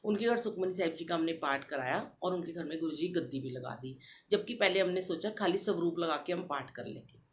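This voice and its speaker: A woman's voice: lowish voice, fairly quick, a little hiss or hum. Middle-aged woman telling a devotional story. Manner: animated, addresses listeners as sangat ji. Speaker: satsang podcast host.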